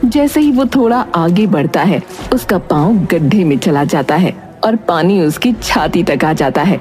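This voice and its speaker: A woman's voice: on the low side, expressive, a little slow, darkish tone, soft background music. A woman narrating a scripted moral story.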